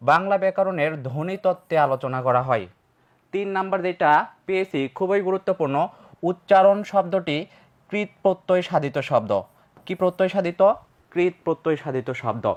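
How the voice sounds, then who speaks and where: Male grammar teacher, a bit high-pitched, lecturing over slides with question-and-answer drills and repeated points. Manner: asks questions and answers them himself; repeats key points for emphasis.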